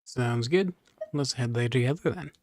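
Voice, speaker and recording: A man's voice: mid-range voice, moderate pace, a little mellow, slight background noise. A man playing a video game, casually commenting and reading dialogue choices aloud.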